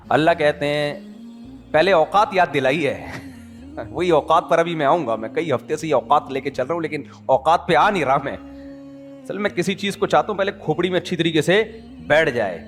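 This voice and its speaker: A middle-aged Islamic preacher from Pakistan delivers a conversational sermon in a fairly high voice. He's animated, firing rhetorical questions at his listeners and acting out small everyday exchanges.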